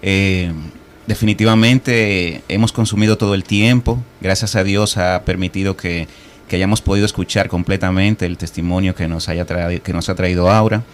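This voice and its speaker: A man's voice: deep voice, fairly even intonation, moderate pace, slight background noise. A man with a Dominican accent hosting a radio programme in a conversational style. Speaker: radio host.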